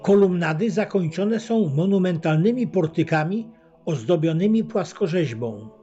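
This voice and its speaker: A man giving a scripted travel narration as a voice-over, reading facts and figures in a measured, even way. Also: sits high. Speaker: documentary narrator. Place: voice-over, not recorded at the pictured site. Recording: dull lo-fi voice-over with faint choir music.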